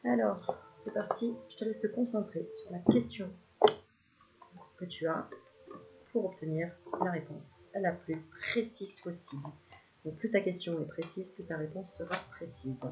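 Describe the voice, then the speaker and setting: A woman talks straight to the viewer while giving a relaxed spiritual card reading, chatty and quick to laugh. She sounds self-filmed on a camera at home. The sound is a bit dull and lo-fi, with a faint hiss behind it. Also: on the low side. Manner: chatty, laughs often, addresses viewer familiarly. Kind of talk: casual card-reading video.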